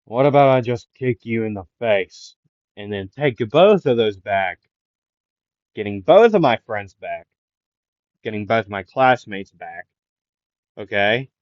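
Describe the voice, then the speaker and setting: A man's voice: on the low side, animated, unhurried, pauses often, no room sound, highs cut off. A man voicing a blunt young male hero who makes threats, in close to his own voice. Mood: threatening.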